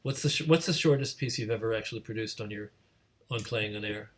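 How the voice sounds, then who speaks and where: A man's voice: on the low side, quick pace. A man hosting an informal online discussion, putting questions to a guest over a video call. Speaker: host, moderator relaying audience questions. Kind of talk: informal moderated interview.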